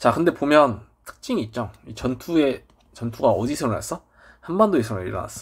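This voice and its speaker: A man with a fairly high, somewhat breathy voice speaks at a moderate pace, his pitch swinging very widely and his loudness rising and falling sharply. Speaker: history teacher. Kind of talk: lecture.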